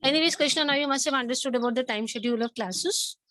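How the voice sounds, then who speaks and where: A woman's voice: high-pitched, fast, pushed and bright. A woman with a South Asian accent teaching an online class, questioning pupils in a stern, insistent way. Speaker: schoolteacher.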